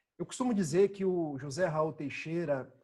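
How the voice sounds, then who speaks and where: Fairly high pitch from a man, dark and mellow in tone. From northern Rio de Janeiro state, Brazil. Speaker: spiritist lecturer. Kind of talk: interview about a religious book.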